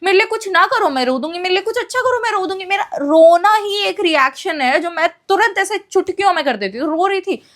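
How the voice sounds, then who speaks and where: A woman's voice: very high voice, a little fast, hardly any pauses. A young woman telling a personal story in a casual, emotional monologue, mixing English phrases into her speech. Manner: emotional, expressive retelling.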